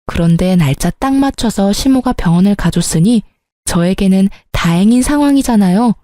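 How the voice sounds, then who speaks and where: Calm, mellow woman storyteller. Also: medium pitch, no room sound, clean studio sound. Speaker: story narrator. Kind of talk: scripted first-person story narration.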